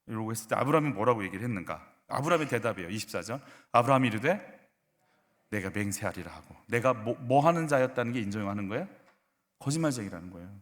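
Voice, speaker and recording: Male pastor, middle pitch, reverberant church hall, lively sermon with acted-out quotes. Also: very fast. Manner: acts out short skits, softening into a low hushed voice for quoted lines; asks the congregation questions, leads a call-and-response exercise. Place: church sanctuary.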